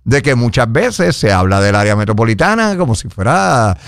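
A man's voice: medium pitch, very animated, clean tone, dry recording. A man with a Puerto Rican accent hosting a radio show in a playful, casual way. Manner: playful, quick to laugh, steering the talk. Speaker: radio host.

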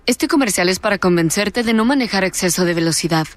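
A woman reading an earnest, deliberate road-safety radio ad. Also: medium pitch, expressive, faint music behind. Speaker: traffic safety ad announcer. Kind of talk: scripted safety ad. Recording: radio ad with noise behind.

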